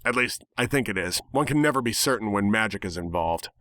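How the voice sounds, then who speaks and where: A man's voice: fairly low pitch, lively intonation, a little fast, sharp tone, no echo, studio quality. A man giving a dramatic scripted reading of a story as its narrator.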